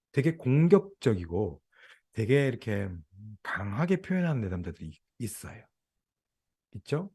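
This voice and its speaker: Man, middle-aged, lecturer, lively pitch, conversational, asks the audience questions. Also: husky. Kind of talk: lecture to counselors.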